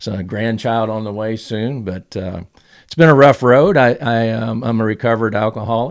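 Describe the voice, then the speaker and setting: A man's medium-pitched voice at a moderate pace, ordinary pitch variation, a plain, everyday voice. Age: 60s. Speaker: podcast guest, recovered alcoholic and stepfather. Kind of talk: casual chat.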